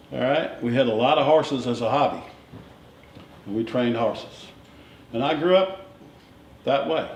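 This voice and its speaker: A man with a Virginia accent speaks at a moderate pace, with a fairly high pitch, ordinary pitch variation, and long, frequent pauses. Noticeable background noise and audible room echo are present. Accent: Virginia Southern American. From US South, Shenandoah Valley, western Virginia. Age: 80s+. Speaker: retired realtor and instructor. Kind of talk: talk to an audience, life story. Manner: folksy, repetitive.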